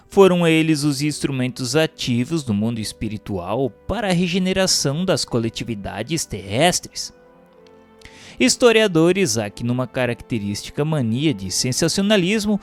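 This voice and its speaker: A man with a Brazilian accent reading scripted narration in a formal, solemn, declamatory manner. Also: fairly high pitch. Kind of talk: scripted audiobook-style narration of a historical religious text. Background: music.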